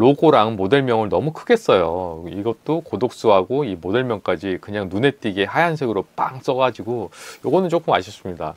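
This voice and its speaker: The man talks at a fairly quick pace with very wide pitch swings. The background is quiet. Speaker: tech YouTuber. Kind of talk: product review.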